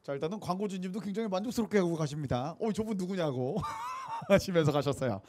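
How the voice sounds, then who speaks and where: A young man emcees a street stage at night, talking quickly in a high, lively voice. He speaks into a handheld mic outdoors and keeps pumping up the audience. He has a cold. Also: slight background noise. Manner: upbeat, hypes the audience. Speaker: street busking show host. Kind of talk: lively emcee patter to a crowd.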